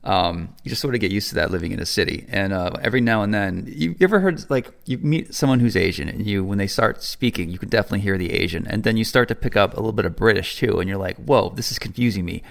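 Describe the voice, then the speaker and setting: A man co-hosting a podcast in casual chat, animated and quick to laugh. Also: lowish voice, gravelly. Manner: animated, quotes people in put-on voices, laughs easily. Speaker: podcast co-host.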